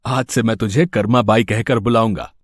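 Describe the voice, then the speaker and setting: An actor playing a devout, kindly village farmer and father, speaking slowly and tenderly with a husky voice. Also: fairly low pitch, fairly even intonation, natural voice. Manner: slow, tender, reverent speech. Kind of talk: dubbed devotional story acting.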